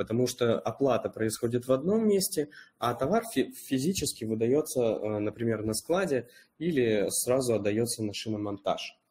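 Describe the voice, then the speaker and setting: A man's somewhat breathy voice with a dark, mellow tone at a medium pitch, lively intonation, very even loudness and a moderate pace. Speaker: project manager. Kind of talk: webinar presentation. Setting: online webinar.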